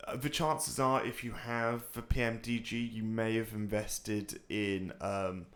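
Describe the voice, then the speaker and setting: A man's voice: fairly low pitch, fairly even intonation, a little slow, fairly bright tone. Young man chatting with lots of fillers. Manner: rambling, filler-heavy, hesitant. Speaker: co-host of a flight-sim tutorial. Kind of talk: casual tutorial chat.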